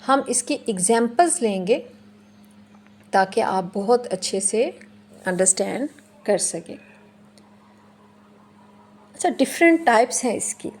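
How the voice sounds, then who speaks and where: A woman teacher giving a slow, deliberate classroom lecture, explaining in English and then again in Hindi-Urdu. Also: on the high side, lively intonation, a little mellow, breathy edge. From Pakistan.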